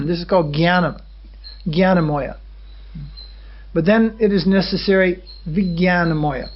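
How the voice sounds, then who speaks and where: A man, a swami, giving a measured spiritual lecture, often pausing to check on his listeners with a questioning "hmm?". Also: high voice. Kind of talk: religious lecture. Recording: dull lo-fi recording.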